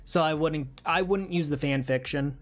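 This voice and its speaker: A livestream host talks casually to viewers, thinking aloud with hesitant, musing pauses. The voice sits at a middling pitch. Faint music plays quietly underneath. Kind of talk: casual livestream chat, reading comments.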